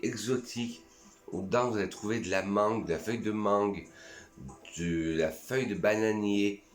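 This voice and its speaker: A chatty, enthusiastic man from France talks casually through his collection in a slightly low voice. The room is echoey, with soft music faintly underneath. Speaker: perfume YouTuber. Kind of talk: casual vlog review.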